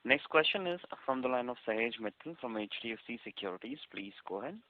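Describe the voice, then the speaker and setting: A man's voice: mid-range voice, lively intonation, fast. A man moderating a conference call as the operator, giving scripted instructions to participants. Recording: dry, phone-like line.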